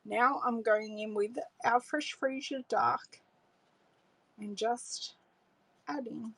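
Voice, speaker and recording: On a live stream, a middle-aged Australian woman makes cards in her home craft room, greeting viewers and thinking aloud in a relaxed, chatty manner. Her voice is on the high side and slow, with poor audio and no room sound; an overhead camera setup frames her hands on the desk.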